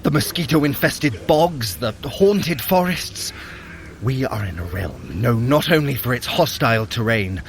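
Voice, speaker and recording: Wry, lively trickster god, noisy backdrop. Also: male voice, medium pitch. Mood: grave, urgent. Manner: dry, articulate, theatrical. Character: Loki, clever, wry male god of mischief. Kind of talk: scripted fantasy audio drama.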